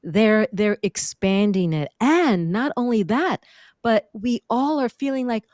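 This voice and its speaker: A woman from New York, a speaking and vocal coach, chatting as a guest on a podcast with an expressive, lively teaching manner. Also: a little high, a little slow, no room sound, clean studio sound. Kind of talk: conversational podcast interview.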